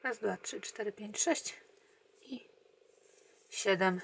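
A woman talks slowly and patiently through a crochet tutorial, counting each stitch under her breath. Her voice sits at a middle pitch, and she lets many counts fade down to near a murmur. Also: gravelly, a little hiss or hum. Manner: calm, counting stitches aloud, often trailing off quietly. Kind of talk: step-by-step crochet instruction.

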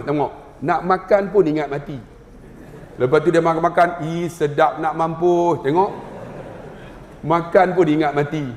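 A man with a Malaysian Malay accent giving a humorous mosque lecture, telling stories, mimicking voices and slowly reciting Arabic prayers. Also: on the high side, slight background noise. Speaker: preacher. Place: mosque hall. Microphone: wireless mic. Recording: roomy mosque hall with long reverb.

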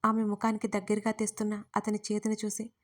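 Woman narrating a romance story, flat voice. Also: medium pitch, brisk. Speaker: writer and narrator.

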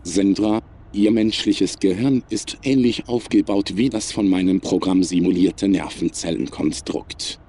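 A man's voice: low-pitched, unhurried, dark tone, a little hiss or hum. A man playing a coldly logical, superior artificial intelligence in a science fiction audio drama, speaking formally and without emotion. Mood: cold, detached.

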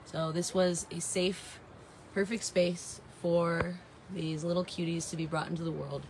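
A woman in her thirties with a raspy voice, chatting casually and dramatically to live stream viewers, repeating phrases for emphasis. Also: on the low side, little pitch movement, measured pace. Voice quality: raspy from heavy singing. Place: open porch of a house and its garden, outdoors. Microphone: phone at arm's length. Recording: noisy outdoor phone recording.

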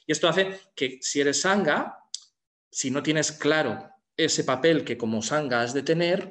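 A man's voice: medium pitch, a bit bright. A man in his fifties with an accent from Spain, giving a reflective, explanatory talk as a Buddhist monk. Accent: Spanish from Spain. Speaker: Buddhist monk speaking on a panel. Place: room indoors. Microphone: computer mic on video call.

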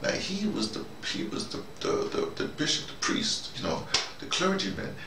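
Older American man, gravelly and roomy. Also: a little high, huge pitch swings. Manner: halting, repetitive, colloquial, emphatic. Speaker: host, storytelling activist. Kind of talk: rambling conversational monologue. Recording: noisy, roomy, distant microphone.

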